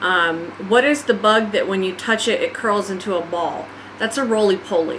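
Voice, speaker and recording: A woman with an American accent at a medium pitch, with ordinary pitch variation, a moderate pace and noticeable background noise. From North Carolina, USA. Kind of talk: casual talk to camera.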